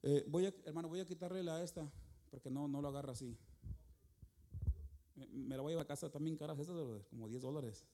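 A middle-aged man preaches in a church with a fairly high but mellow, dark-toned voice. He talks in a folksy, joking way and keeps calling his listeners "brother.". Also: fairly quick, long pauses. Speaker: traveling worship singer and preacher. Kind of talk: sermon.

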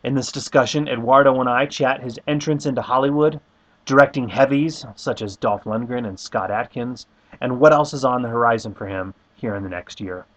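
A man's voice: mid-range voice, brisk. A man hosting a podcast, reading an upbeat scripted introduction. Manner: upbeat, enthusiastic. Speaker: podcast host.

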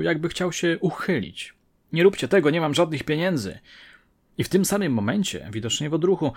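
Measured male true-crime narrator. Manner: measured, dramatic storytelling with low dropping phrase ends. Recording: faint music bed under the voice.

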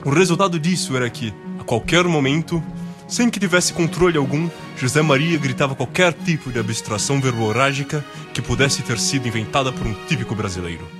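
Male narrator, scripted, mock-solemn, amateur radio play, clear music behind. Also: mid-range voice, brisk.

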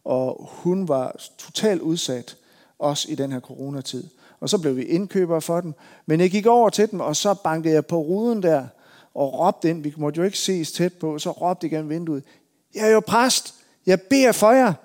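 A pastor with a voice on the high side preaches a sermon, stacking up emphatic repeated lines before easing into a relaxed story.

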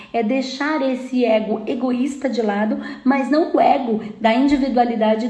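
A woman's voice: on the high side, mellow. Emphatic Brazilian woman, echoey room. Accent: Brazilian Portuguese. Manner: emphatic, frequent "né?" and "tá?" checks, mimics complainers. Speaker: spiritual speaker. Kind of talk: spiritual self-help talk.

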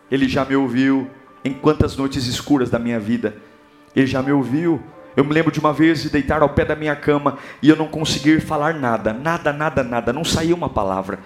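A Brazilian man preaching a sermon, impassioned, building up to shouting. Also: medium pitch. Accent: Brazilian Portuguese.

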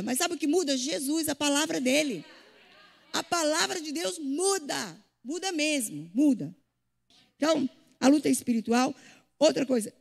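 A woman preaching a sermon to a church, lively and full of swings between loud and soft, acting out the voices she quotes. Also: high voice, creaky. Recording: long hall reverb.

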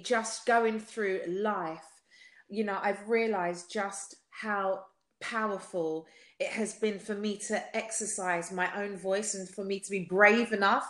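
A woman in her forties chats animatedly as a guest, laughing easily and often restarting her sentences. Her voice sits at an ordinary middle pitch. The room around her rings with noticeable echo. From United Kingdom. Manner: animated and chatty, quick laughs, many restarts. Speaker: guest singer. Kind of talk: casual interview chat. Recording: echoey room.

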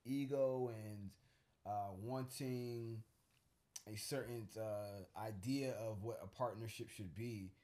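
A man's voice: lowish voice, steady tone, takes it slowly, warm tone. A man co-hosting a casual podcast chat, talking in a rambling, thoughtful way with many fillers and restarts. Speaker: co-host.

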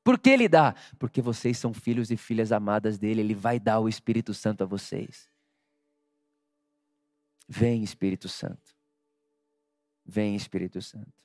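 A man preaching a sermon with a personal story, speaking intimately and dropping soft in prayer. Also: medium pitch, no room sound, clean studio sound. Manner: intimate, drops to soft near-whisper in prayer, rises when animated. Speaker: pastor.

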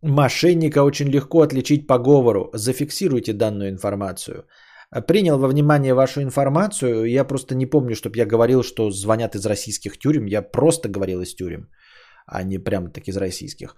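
Man, mellow warm voice, casual rambling stream host, lots of filler sounds, blunt. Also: medium pitch, brisk. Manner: rambling, hesitant with many fillers, blunt and swearing. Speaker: podcast host reading donations. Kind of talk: casual livestream chat.

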